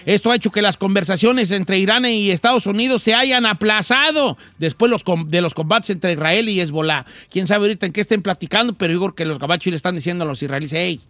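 A man's voice: high-pitched, fast, hardly any pauses, pushed and bright, dry recording. A Mexican man hosting a comic news chat, joking in slang with many restarts. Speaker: news show host.

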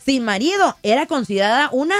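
A woman's voice: high-pitched, lively intonation, brisk, dry recording. A woman in her thirties with a Mexican accent, co-hosting a casual chat show, playful and laughing, often stammering. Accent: Mexican Spanish. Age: 30s. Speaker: radio co-host.

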